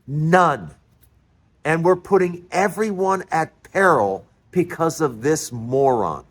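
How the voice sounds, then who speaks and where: An older man in his sixties holds forth in a passionate monologue. His voice sits a little high for a man. He stumbles over words and repeats them as he presses his point. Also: expressive, slow pace. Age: 60s. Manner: emphatic, repeats words, restarts often. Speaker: commentary host.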